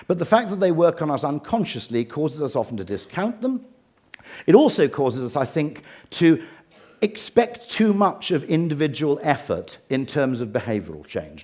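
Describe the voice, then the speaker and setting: A man's voice: fairly high pitch, very animated, moderate pace, a little mellow. A man with an English accent giving a humorous talk on stage, wry and full of digressive asides. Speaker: conference speaker. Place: stage before a live audience.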